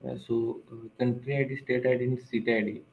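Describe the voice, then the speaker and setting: A male trainee puts a question to his trainer, polite and a little hesitant. His voice stays flat. The call audio sounds dull. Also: mid-range voice, brisk. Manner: hesitant, polite, many uh fillers. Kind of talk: asking questions in class.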